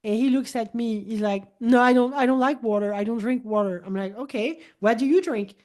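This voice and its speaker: A woman's voice: fairly high pitch, brisk. A woman in her forties, a native French speaker, talking as a wellness coach host in a casual conversation and often acting out quoted dialogue. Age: 40s. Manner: animated, repeats words and restarts, acts out quoted dialogue.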